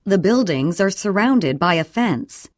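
A woman's voice: mid-range voice, dry recording, clean studio sound. Woman reading English drill sentences. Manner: clear, even, deliberate reading. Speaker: English audio reader.

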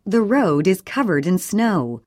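A woman's voice: mid-range voice, no echo, clean studio sound. Woman reading English drill sentences. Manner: clear, even, deliberate reading. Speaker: English audio reader.

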